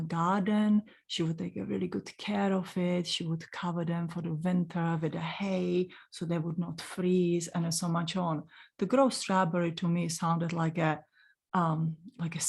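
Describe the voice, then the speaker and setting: A woman in her forties with a Czech accent, telling a personal story in a gentle, unhurried way and speaking directly to the listener. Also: on the low side, gravelly. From Czech Republic. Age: 40s. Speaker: spiritual channeler.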